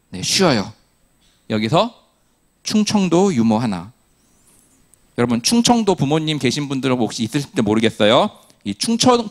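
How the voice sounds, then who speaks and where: A man preaching a sermon from the pulpit, his slightly high voice swinging widely up and down. He asks the congregation quick questions, answers them himself, and slips in jokes along the way. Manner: animated storytelling with humor. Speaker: pastor.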